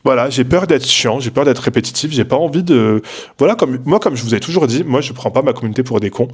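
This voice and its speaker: Young guy vlogging from home late at night, fast slangy rambling, lots of ums. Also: mid-range voice, animated, breathy edge. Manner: rambling and slangy, many fillers and restarts. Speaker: content creator. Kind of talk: casual late-night vlog rant.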